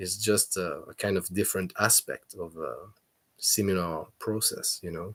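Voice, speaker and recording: A man with a French accent speaks at a very deep, low pitch and a moderate pace. His intonation is fairly even, and the sound is dry and close with no echo. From French-speaking Europe. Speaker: fitness youtuber. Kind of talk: live Q&A stream. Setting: live stream, home. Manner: halting.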